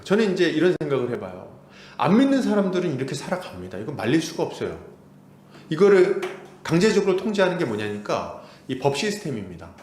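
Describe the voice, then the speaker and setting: A male pastor preaching an expository sermon, asking the congregation rhetorical questions and acting out quarrels in quoted voices. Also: on the high side. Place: church sanctuary. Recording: echoey church hall.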